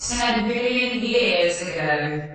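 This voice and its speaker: A put-on character voice at middle pitch rings with strong echo. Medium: audio drama. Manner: flat, clipped announcements.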